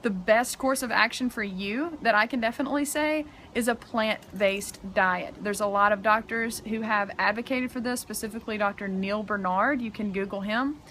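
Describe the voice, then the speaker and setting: Young female vlogger, chatty health coach, mid pitch, filler-heavy delivery, faint outdoor hiss. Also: normal speed, hardly any pauses, fairly bright tone. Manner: chatty, frequent "like" and "um". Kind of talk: casual advice vlog. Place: outdoors in strong sun.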